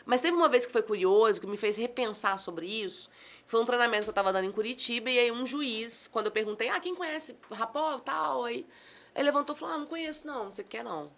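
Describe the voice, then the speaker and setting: A woman with a Brazilian accent, a communication trainer chatting as a podcast guest, animated and exclamatory, acting out the dialogue in her stories. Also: fairly high pitch, fast. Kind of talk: casual podcast conversation.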